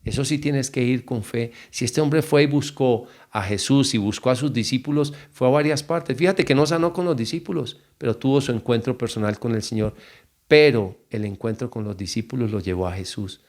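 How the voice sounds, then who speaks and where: A male preacher giving a Spanish-language teaching sermon. His delivery moves between calm explanation and sudden raised, pleading calls, lifting pitch and loudness to act out prayers. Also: moderate pace. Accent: Colombian Spanish. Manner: rises in pitch and volume to act out prayers and biblical cries.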